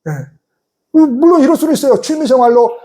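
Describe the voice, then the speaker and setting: High-voiced pastor preaching conversationally. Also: male voice, quick pace, warm tone. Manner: conversational preaching with rhetorical questions and acted-out inner voices. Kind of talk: sermon.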